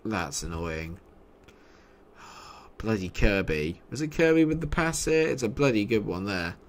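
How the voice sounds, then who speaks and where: Nervy man streaming, low voice, slow talk. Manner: nervy and excitable, yelling at the match then muttering. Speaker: game streamer. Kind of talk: live reactions while playing a football management game.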